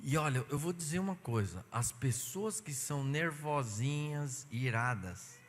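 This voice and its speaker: A man, a pastor, giving an animated sermon and telling stories, acting out dialogue. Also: fairly high pitch, a little slow. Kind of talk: sermon with personal anecdotes. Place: church sanctuary. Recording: long church hall reverb.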